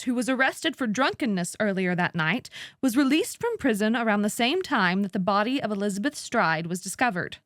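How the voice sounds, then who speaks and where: A woman reading scripted narration as an audiobook narrator, in a measured, precisely enunciated way. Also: mid-range voice, fairly bright tone, no room sound, studio quality.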